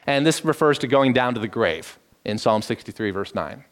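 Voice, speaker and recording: A middle-aged man preaching, teaching in a measured tone and lifting his voice to stress key phrases. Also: medium pitch, lively intonation. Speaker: pastor. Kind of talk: expository sermon.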